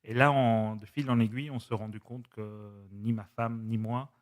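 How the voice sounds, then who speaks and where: A man in his forties, a Spanish speaker, telling his story as a podcast guest in a measured, reflective way. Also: fairly low pitch, steady tone. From Switzerland. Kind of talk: casual conversation.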